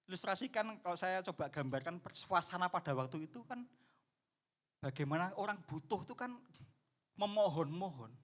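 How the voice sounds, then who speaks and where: A male pastor with a high-pitched voice, preaching a sermon to his congregation. He speaks with a lilt. He talks in an animated way and acts out the people in his story. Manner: addresses the congregation as "saudara".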